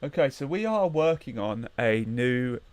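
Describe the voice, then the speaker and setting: Guy on a live trading stream, muttering over charts, mid pitch, dry close sound. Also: expressive, measured pace, clean tone, dry recording. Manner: chatty, mutters to himself while checking charts. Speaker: livestream trading host. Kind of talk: casual live-stream chat.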